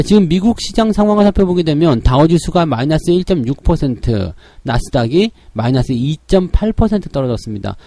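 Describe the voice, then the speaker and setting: A man with a slightly hoarse voice giving a daily stock market briefing, explaining each point step by step. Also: on the high side, mellow, no room sound. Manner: explanatory, frequent "자" openers.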